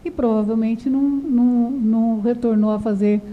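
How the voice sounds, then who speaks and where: A woman calmly explaining points in a panel chat. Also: a little high, normal speed, narrow, tinny audio, a little hiss or hum. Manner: reflective, explanatory. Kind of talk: casual discussion.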